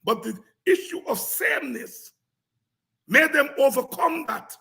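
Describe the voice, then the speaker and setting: Extremely high in pitch yet raspy and gravelly, this man's voice carries a Guyanese accent as he hosts an informal, impassioned history lecture. He argues combatively and repeats himself for emphasis, speaking expressively, a little slowly, with a sharp tone.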